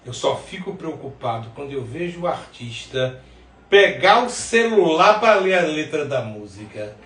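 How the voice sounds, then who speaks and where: A male podcast host chats and gives opinions with a northeastern Brazilian accent. His voice sits a little high. It is picked up from some distance in a clearly echoey room. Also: sing-song, measured pace, a bit bright, a little hiss or hum. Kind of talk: casual opinionated chat. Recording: roomy echo, distant mic.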